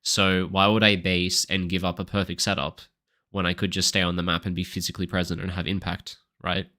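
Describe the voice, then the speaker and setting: A man's voice: sits low, level tone, fairly quick, bright, forceful tone. Chatty Australian man streaming and coaching. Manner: chatty, explains strategy while reading chat. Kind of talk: live game-stream commentary.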